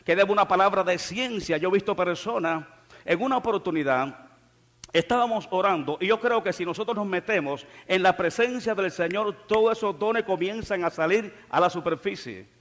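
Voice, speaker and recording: A male pastor preaching a fervent sermon in a church, rising to shouts when he gets excited. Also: high voice, moderate pace. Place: church hall. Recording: long church hall reverb.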